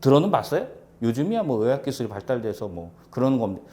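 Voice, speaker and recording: A man's voice: mid-range voice, big pitch swings, fast talker, warm tone, a little hiss or hum. A male lecturer teaching exam prep, firing rhetorical questions and answering them himself, repeating key points for emphasis. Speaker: civil service exam Korean lecturer.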